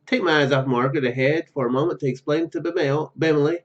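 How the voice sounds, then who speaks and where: A man's voice: on the high side, fast, dull audio. A man hosting a gaming video, reading game narration aloud with casual commentary and stumbling over words as he goes. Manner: stumbles and self-corrects while reading.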